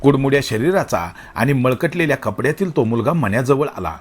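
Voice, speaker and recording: A man narrates a written story with an expressive, lively intonation that rises and falls freely. His voice is husky and breathy. Faint music plays beneath the reading. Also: medium pitch, fairly quick.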